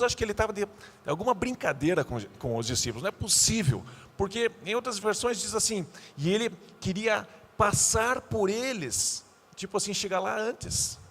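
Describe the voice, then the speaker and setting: A male pastor giving a youth sermon, animated and joking, acting out the scenes he tells. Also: sits high, husky, long reverb tail.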